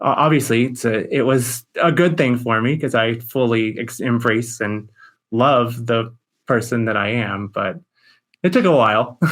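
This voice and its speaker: An unremarkable speaking voice, fairly unhurried, its pitch varying in an ordinary way. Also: man, medium pitch for a man. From Texas, southern. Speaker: tabletop content creator. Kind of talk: interview conversation.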